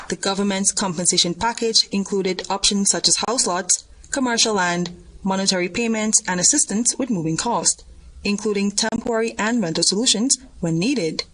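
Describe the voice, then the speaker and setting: A female news reporter from Guyana, reading a voice-over report in a measured, formal way. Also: mid-range voice, a bit bright, poor audio.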